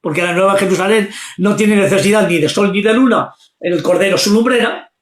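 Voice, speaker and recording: A man preaching fervently, often shouting his exclamations. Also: high voice, a little fast, roomy sound. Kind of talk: impassioned preaching.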